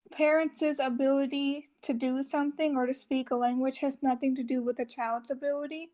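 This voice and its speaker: A woman's voice: high voice, darkish tone. A woman presenting a topic on a casual podcast, earnest and full of ums and likes. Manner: earnest, filler-heavy explaining. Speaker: podcast co-host presenting research.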